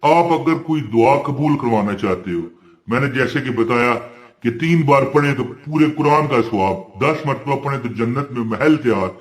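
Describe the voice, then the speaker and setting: A male Islamic preacher giving a devotional talk, chanting Quranic verses in a rising tone between plain explanations and answering his own questions. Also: medium pitch. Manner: asks questions and answers himself. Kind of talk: devotional talk on a prayer practice. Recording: roomy echo.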